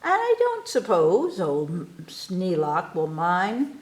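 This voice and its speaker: Excitable young boy showman, read by a woman, echoey. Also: on the low side, slow pace, heavily acted. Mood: eager, scheming. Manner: grandiose carnival-barker delivery. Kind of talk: storybook read-aloud. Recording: echoey room.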